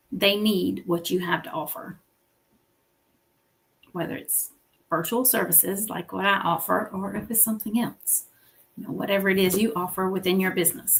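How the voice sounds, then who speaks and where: A woman hosts a weekly business livestream, coaching viewers in an encouraging teaching style and frequently checking in with "okay?" and "right?". Her voice is medium-pitched, gravelly and a bit bright.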